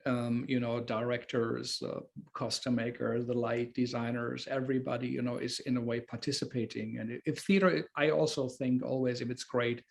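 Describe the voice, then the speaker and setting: Gravelly man interviewing, halting and loose. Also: mid-range voice, little pitch movement. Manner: halting, loosely phrased questions and musings. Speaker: host, interviewer. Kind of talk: casual thoughtful interview.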